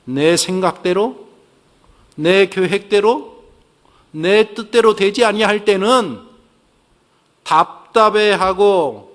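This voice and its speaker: A man preaching a sermon as pastor, asking rhetorical questions and leading the congregation to repeat prayers, shifting between soft and emphatic delivery. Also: sits high, slow, long pauses. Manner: preaching with call-and-response prompts to the congregation.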